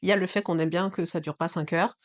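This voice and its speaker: A woman's voice: lowish voice, fairly even intonation, fast. Hesitant non-native woman co-host. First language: not French. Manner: hesitant, full of fillers, playful. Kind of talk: casual board game review chat.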